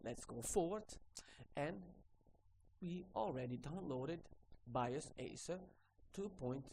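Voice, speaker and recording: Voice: mid-range voice, lively intonation, slow pace, dark tone, slight background noise, low-quality recording. Instructor. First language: Portuguese. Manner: ends phrases with a questioning "okay?", repeats himself. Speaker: repair course instructor. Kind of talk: screen-recorded tutorial walkthrough.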